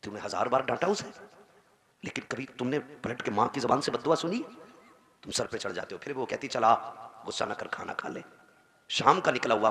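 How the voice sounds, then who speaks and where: A man's voice: medium pitch, a bit bright. A male preacher pleading with and scolding the young men in his audience, speaking to them directly. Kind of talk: admonishing sermon to the audience. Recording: echoey hall.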